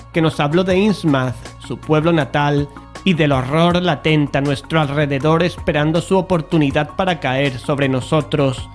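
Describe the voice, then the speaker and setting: An actor with an accent from Spain playing a self-assured, conceited investigator, speaking formally and precisely in an audio drama. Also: male voice, a little high, close to an everyday voice. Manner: formal, pompous, precise wording. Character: Mario, self-assured, conceited male investigator leading his friends. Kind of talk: Spanish audio drama acting and first-person narration.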